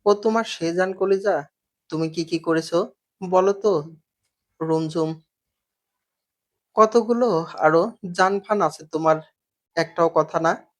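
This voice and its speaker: A man playing a deadpan, persistent young suitor. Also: fairly high pitch, slow, long pauses. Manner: deadpan, unbothered.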